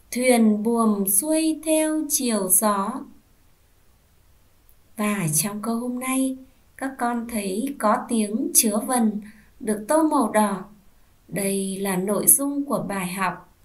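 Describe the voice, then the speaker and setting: A woman's voice: a little high, slow pace, pauses often. A woman teacher giving a first-grade reading lesson, patiently spelling out sounds and asking the children to repeat. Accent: Vietnamese. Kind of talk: slow, clear classroom reading lesson.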